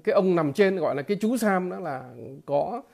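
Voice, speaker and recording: A man giving a political commentary monologue to his viewers, halting and repeating filler words, emphatic and blunt. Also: sits high, expressive, gravelly, a little mellow. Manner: emphatic, with blunt crude imagery.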